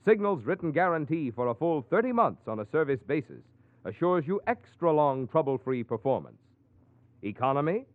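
A man's voice: on the high side, very animated, moderate pace, no room sound. A man reading a 1940s radio commercial as announcer, with an emphatic question-and-answer sales delivery. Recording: tinny, dry old radio recording.

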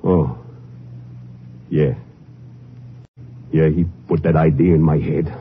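A man's voice: a bass voice, steady tone, takes it slowly. A man acting as a weary, grieving boxing manager in 1950s radio style, subdued and plain-spoken. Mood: subdued, regretful. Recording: muffled, faintly noisy 1950s radio recording.

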